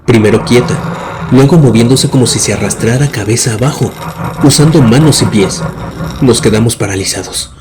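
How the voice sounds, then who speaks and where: A man's voice: medium pitch, normal speed, background noise. A man narrating scripted horror stories in a dramatic, suspenseful way. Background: music bed.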